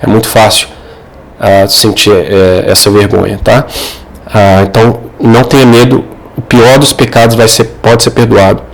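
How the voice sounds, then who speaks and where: A man's voice: fairly low pitch, steady tone, normal speed, creaky, low-quality recording. A man with a Brazilian accent giving informal religious advice in an earnest, didactic monologue, speaking directly to the listener. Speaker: Catholic advice video creator.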